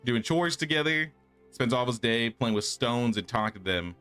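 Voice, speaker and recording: A man's voice: mid-range voice, lively intonation, moderate pace, fairly bright tone, clear, resonant tone, lightly acted. An upset young village girl read by a man in a game, exasperated and complaining. The voice is mid-range for a man, lifted a little, over faint music. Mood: aggrieved.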